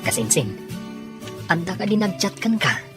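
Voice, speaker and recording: A woman voicing an easygoing, teasing young man in an Ilocano Filipino audio drama, with a husky voice. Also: fairly low pitch, big pitch swings, normal speed, over music. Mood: teasing, friendly.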